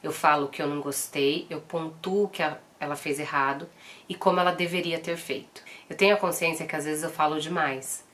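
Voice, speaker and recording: Earnest Brazilian mother, low-pitched. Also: fairly even intonation, brisk, fairly bright tone. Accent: Brazilian Portuguese. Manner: earnest and direct, firm when quoting commands. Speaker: mother sharing parenting advice. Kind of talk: casual advice vlog.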